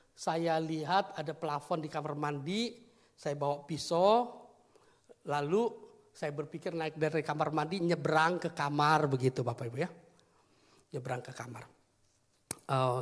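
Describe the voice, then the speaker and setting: Male pastor, 30s, high-pitched, animated storyteller, reverberant church hall. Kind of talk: sermon.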